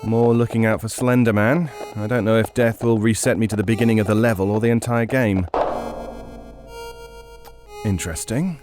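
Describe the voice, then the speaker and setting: A man's voice: on the low side, steady tone, moderate pace, pauses often, close to an everyday voice. Man acting a sardonic gamer, music behind. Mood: absorbed, sardonic. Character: laid-back, sardonic man playing a horror game. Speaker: actor playing a podcast co-host. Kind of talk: naturalistic audio drama, casual game commentary.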